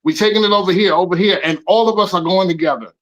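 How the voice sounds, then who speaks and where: A man in his fifties with a noticeably high-pitched voice, talking in an effusive, animated way. He repeats short phrases for emphasis and mixes in a New lilt. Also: quick pace. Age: 50s. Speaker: podcast guest DJ. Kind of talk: casual podcast chat.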